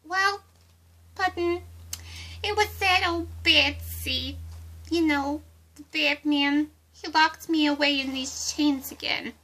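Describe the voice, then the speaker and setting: A woman playing a giddy, childlike clown villainess with a high, girlish voice and cutesy, singsong delivery in an amateur roleplay. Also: fairly even intonation, slow pace, sharp tone, exaggerated voice, rough recording. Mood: chatty, aggrieved. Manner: cutesy, singsong, pet-name-dropping.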